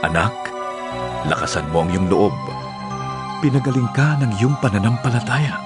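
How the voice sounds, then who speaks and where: A male actor playing a calm, authoritative, compassionate teacher in an audio Bible drama. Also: lowish voice, moderate pace, music in the background, close to an everyday voice.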